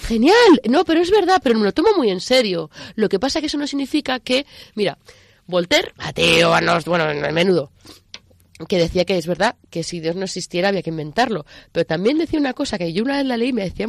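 Fast-talking, creaky-voiced Spanish woman. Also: medium pitch, no room sound, studio quality. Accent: Spanish, from Spain. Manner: expressive, emphatic, repeats herself. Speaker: interview guest. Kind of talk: candid, chatty personal testimony.

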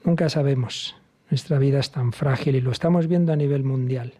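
A man from Spain preaching a sermon as a priest, speaking earnestly and emphatically and sometimes dropping to a hushed whisper. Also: mid-range voice, a little fast, slightly rough. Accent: Spain Spanish.

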